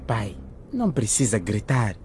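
A man's voice: fairly low pitch, background noise, full character voice. A man playing a sullen, defiant teenage son in a radio drama.

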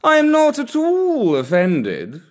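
A man reading a storybook who voices an elderly male cat, slow, stately and courteous. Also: very high-pitched, huge pitch swings, voice pushed up, full character voice. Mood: courtly.

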